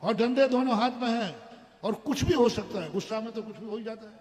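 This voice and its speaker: A man preaching a sermon, telling a story and addressing the audience directly in an animated way. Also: very high-pitched, fairly quick, big-room sound. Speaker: Jain preacher.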